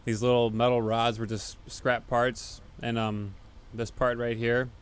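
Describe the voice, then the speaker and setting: A man co-hosting a casual podcast, explaining at length in a relaxed way with many fillers. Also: medium pitch, unhurried, clean tone. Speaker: podcast co-host, band member. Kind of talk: casual chat.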